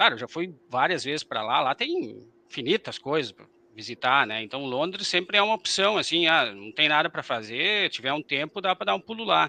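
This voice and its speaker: A man's fairly high, bright, sharp voice with vocal fry, very wide pitch swings and big swings in loudness, at a moderate pace, in a dry, close sound with no echo. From Rio Grande do Sul, Brazil (Charrua). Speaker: mechanical engineer, emigrant interviewee. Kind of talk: interview.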